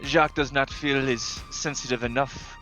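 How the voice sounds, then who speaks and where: A man's voice: mid-range voice, steady tone, normal speed, a bit bright, faint music behind, natural voice. A man voicing a formal, easily exasperated caretaker of a magical arboretum, speaking in stilted, proper sentences. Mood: indignant. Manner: formal, stilted wording, bursting into exasperated outbursts.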